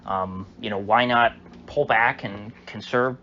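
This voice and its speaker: A political commentator with a lowish, sharp-toned voice speaks a little slowly in casual solo commentary. He hesitates and rambles, with frequent fillers and restarts, and the dull lo-fi recording carries faint hiss.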